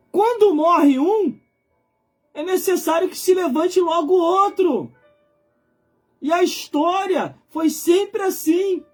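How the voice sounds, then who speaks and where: Brazilian male livestream preacher, 40s, high-pitched, colloquial and insistent delivery over music. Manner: emphatic, colloquial, repeats phrases for effect. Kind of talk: informal live sermon.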